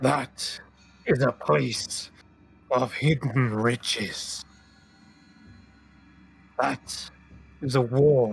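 A man's raspy, put-on character voice at medium pitch, very slow, with long, frequent pauses.

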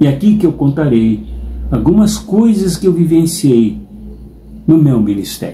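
A man talks at a fairly slow pace with long, frequent pauses, his fairly high voice swinging very widely in pitch while his loudness stays very even. Audible room echo and light background noise surround him. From Brazil. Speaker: pastor and online commentator; pastor, online commentator. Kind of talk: pastoral counseling talk to camera. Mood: earnest, grave. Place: home room.

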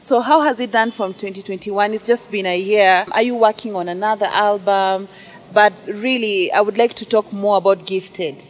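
At a moderate pace, a woman talks in a medium pitch. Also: fairly even intonation. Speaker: entertainment interviewer. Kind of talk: casual interview chat. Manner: warm, effusive. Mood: warm, enthusiastic. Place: cafe. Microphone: handheld.

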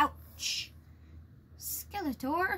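A put-on character voice that sounds female, over clear background noise. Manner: pained exclamation, acted.

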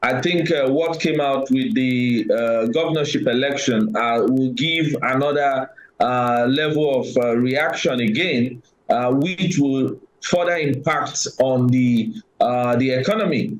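The pace is very slow. Pitch variation is ordinary. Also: man. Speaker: guest. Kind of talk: interview answer. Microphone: phone line.

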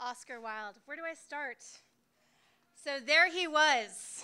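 A woman's raised, projected voice at a fairly slow pace, with ordinary pitch variation. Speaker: speaker. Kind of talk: humorous live lecture. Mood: playful, joking. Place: bar. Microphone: podium.

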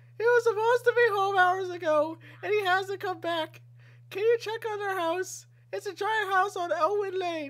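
A man does a put-on character voice at an extremely high pitch and a moderate pace. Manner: creepy.

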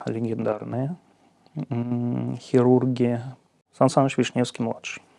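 A man's dark, mellow tone at a fairly slow pace over a quiet background. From Armenia, Yerevan, then Moscow. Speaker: cardiac surgeon; guest. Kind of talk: interview. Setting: studio. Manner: hesitant, many filler sounds. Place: studio. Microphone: lapel.

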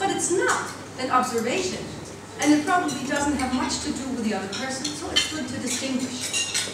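A woman at a fairly quick pace, with audible room echo and loud background noise. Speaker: executive coach. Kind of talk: public speech. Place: hall. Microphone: camera far.

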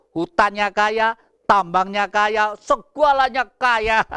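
In a Javanese accent, a man with a high pitch and a raised, projected voice speaks at a very slow pace with ordinary pitch variation, the sound dry with no echo against a quiet background. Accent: Javanese-accented Indonesian. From East Java, Indonesia. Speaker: talk show host. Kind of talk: talk show. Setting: studio. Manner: formal. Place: studio.

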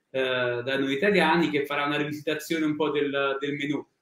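Audible room echo follows a man speaking with fairly even intonation. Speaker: guest, Italian-American community expert; guest. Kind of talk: interview. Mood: friendly, smiling. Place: home room.

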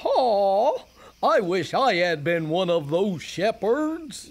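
A cartoonish character voice sits at a middle pitch. It moves at a very slow pace. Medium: puppet. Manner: upbeat.

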